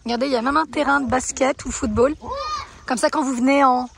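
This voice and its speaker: Woman vlogger, fairly high voice, enthusiastic and chatty, roomy echo, faint background noise. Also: steady tone, fairly quick, vocal fry. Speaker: lifestyle vlogger. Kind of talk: casual vlog chat to camera. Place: outdoors at a countryside ranch.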